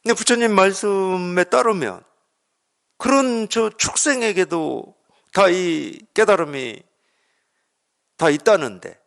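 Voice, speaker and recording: A man's voice: high-pitched, lively intonation, slow pace, gravelly, long pauses, a bit bright. A man from Korea giving a Buddhist dharma talk as a Zen teacher, conversational, asking rhetorical questions and acting out the dialogue.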